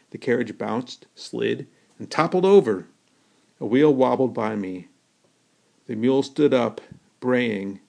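A man narrating a spoken story in the first person, with measured, vivid storytelling. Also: mid-range voice, creaky, a little mellow.

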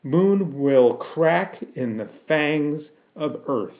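A man voicing a metal automaton that speaks in slow, measured, singsong riddles, eerie and solemn, as in an audiobook. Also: a little high, expressive, phone-quality sound, heavily acted. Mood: eerie, deliberate.

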